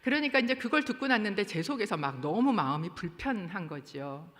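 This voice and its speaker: Animated woman pastor preaching in a hall. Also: mid-range voice, fairly quick. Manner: animated storytelling, rising to emphatic exhortation. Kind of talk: sermon. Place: church sanctuary. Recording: long church hall reverb.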